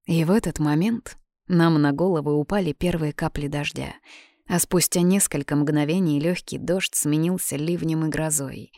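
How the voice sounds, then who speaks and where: A woman narrates a novel in steady first person, reading evenly. Her voice sits a little low. The recording is dry and close, with no room echo. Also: moderate pace. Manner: even storytelling reading. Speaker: audiobook narrator.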